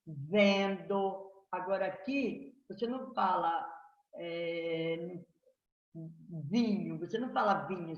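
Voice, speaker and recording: A middle-aged woman teaches a grammar class at a very unhurried pace, often checking that her students follow her. Her voice comes through a dull, lo-fi recording in an echoey classroom. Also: medium pitch, far from the mic. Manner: explains slowly, asking "tá vendo?" and "né?". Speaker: Portuguese teacher. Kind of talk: classroom lesson.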